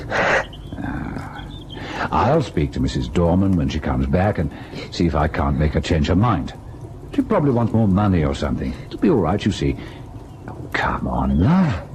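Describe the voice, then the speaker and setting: An actor playing a gentle, anxious young husband and painter in an old-time radio drama. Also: male voice, deep voice, heavily acted. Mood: soothing. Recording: faintly noisy old radio recording.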